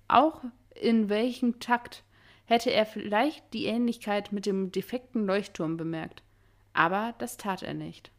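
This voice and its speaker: A woman reading a story aloud in a calm storytelling manner, with small slips and restarts. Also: mid-range voice. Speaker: reader. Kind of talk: reading fan fiction aloud.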